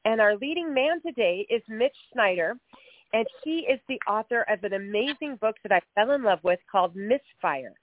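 A woman's voice: on the high side, moderate pace, no echo. Stuffed-up woman radio host. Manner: upbeat, lively, chatty. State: stuffed up with a cold, coughing. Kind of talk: radio interview. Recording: tinny phone-like radio audio with faint music.

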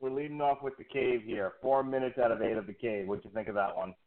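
A man's voice: mid-range voice, fast. A man hosting a podcast discussion over a call, laid-back and hesitant, his voice sounding tinny, as if on a speakerphone. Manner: relaxed, hesitant, with fillers and small laughs. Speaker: podcast host moderating the discussion. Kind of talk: casual chat. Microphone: Bluetooth headphones over a call. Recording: thin phone-like call audio.

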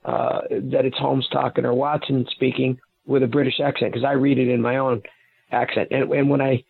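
A man's voice: mid-range voice, little pitch movement, moderate pace, gravelly, slightly rough. A man who is a guest author, explaining at length in a rambling way with many restarts, heard over a phone line. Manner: rambling, self-correcting explanations. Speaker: guest author and private investigator. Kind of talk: phone-in interview.

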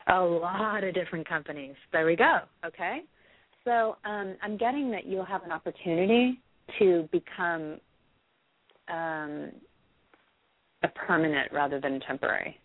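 A hoarse woman with a cold, giving a psychic reading to a caller, hesitant with many ums before firm predictions. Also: on the low side, a little slow, no room sound. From United States. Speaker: psychic reader. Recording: dry, phone-quality sound.

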